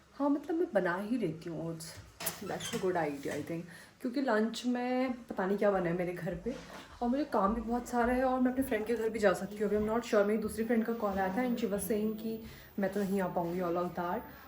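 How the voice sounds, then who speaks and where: A woman's fairly high voice with lively intonation, audible room echo and noticeable background noise. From Uttarakhand, India. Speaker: vlogger. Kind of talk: casual vlog.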